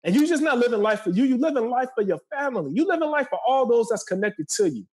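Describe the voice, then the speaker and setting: A man's voice: extremely high pitch, big pitch swings, fast talker, darkish tone. A man in his forties giving a motivational talk as a podcast guest, emphatic and preacherly, repeating phrases for effect.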